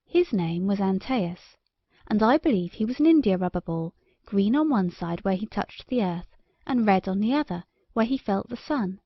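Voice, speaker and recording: A woman's voice: mid-range voice, no room sound. Female storybook narrator, dry and slightly muffled. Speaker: audiobook narrator. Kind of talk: scripted storybook narration for children.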